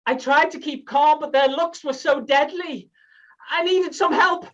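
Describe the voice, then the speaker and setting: A man's voice: extremely high pitch, unhurried, fairly bright tone, recorded from a distance, lo-fi sound. A British man performing rehearsed comic storytelling in rhyme as a competition speaker, with a theatrical manner.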